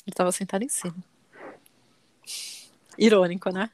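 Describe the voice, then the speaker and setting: A woman with a Brazilian accent, in her thirties, telling a lively story as a mother and acting out the dialogue. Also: mid-range voice, moderate pace. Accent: Brazilian Portuguese. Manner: animated, quoting dialogue, many repetitions. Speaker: podcast guest, mother. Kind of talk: casual storytelling.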